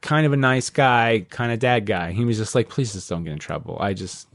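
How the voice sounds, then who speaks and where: A man's voice: lowish voice, fairly quick, a bit bright, dry recording, clean studio sound. A man hosting a podcast, chatting casually in a rambling way, full of "like" and the odd swear word. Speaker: podcast host.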